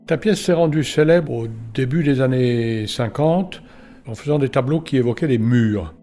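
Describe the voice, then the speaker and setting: A man giving unscripted art commentary, explaining in a measured way with pauses between short phrases. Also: mid-range voice, mellow, faint music behind.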